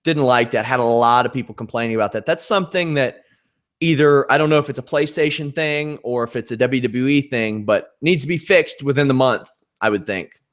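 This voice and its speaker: A man's voice: mid-range voice, a little fast. A man with a nasal voice co-hosting a casual wrestling podcast, given to dry, sarcastic asides. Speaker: podcast co-host.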